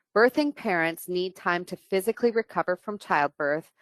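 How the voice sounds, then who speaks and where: Recorded against a quiet background, the speaker talks with a Midwestern accent. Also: woman, dry, close sound with no echo. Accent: Midwestern, getting stronger. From US Midwest, Minnesota. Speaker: reproductive rights activist. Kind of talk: webinar presentation.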